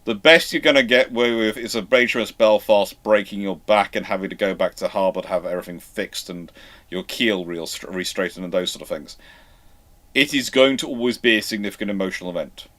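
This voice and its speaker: A man hosting an informal live question-and-answer stream, explaining in a rambling, halting way with repeated false starts. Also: on the low side, a bit bright. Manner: over-careful emphasis on some words. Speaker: host of live naval history Q&A stream.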